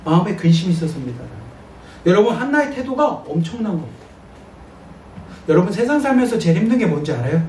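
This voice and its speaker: In an echoey church sanctuary, a male pastor preaches and reads scripture in a conversational, animated style, acting out little asides along the way. His voice is high-pitched and he talks fast, pausing often. The mic is distant and there's faint background noise.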